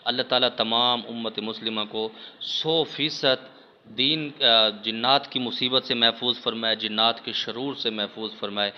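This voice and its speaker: An earnest man delivers instructional religious advice as a spiritual healer, often turning to address his audience directly. His voice sits at an ordinary middle pitch. The recording is a little dull, with a faint hiss underneath. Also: fairly even intonation. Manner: earnest, addresses listeners repeatedly as respected audience. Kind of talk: instructional religious talk to viewers.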